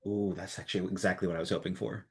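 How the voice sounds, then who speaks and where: A man playing a tabletop game, chatting casually and tossing in jokes. His voice is somewhat low. Faint music sits in the background. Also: steady tone, racing, vocal fry, breathy edge. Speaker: player.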